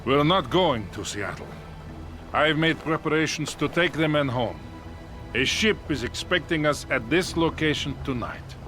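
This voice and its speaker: An actor playing a Soviet colonel who speaks gravely and steadily about his beaten men. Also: fairly high pitch, expressive, measured pace. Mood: grim. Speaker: army colonel. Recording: game cutscene with loud music behind.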